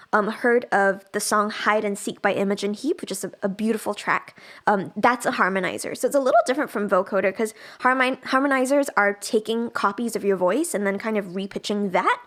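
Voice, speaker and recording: Chatty woman doing a laid-back music software tutorial, mid pitched voice, thinks out loud as she goes. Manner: chatty, informal, thinks aloud while demonstrating. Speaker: music production trainer. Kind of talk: casual livestream software tutorial.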